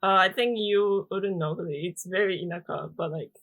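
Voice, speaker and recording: A woman's voice: lowish voice, moderate pace. A young Japanese woman with a Japanese accent, chatting as a guest on a podcast, filling her speech with "like.". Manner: chatty, frequent "like" fillers, soft laughs. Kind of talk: casual podcast interview.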